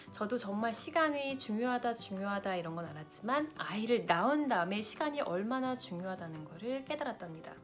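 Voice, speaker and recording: A woman in her late thirties, a lifestyle vlogger, talking to camera and giving big-sister advice straight to her viewers. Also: medium pitch. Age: 30s.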